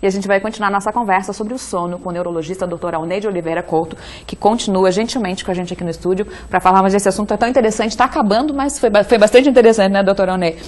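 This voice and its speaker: Fast-talking female TV host. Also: mid-range voice. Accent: Brazilian Portuguese. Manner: lively, quick, polite questions. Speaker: TV interview host. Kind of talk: studio interview hosting. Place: TV studio.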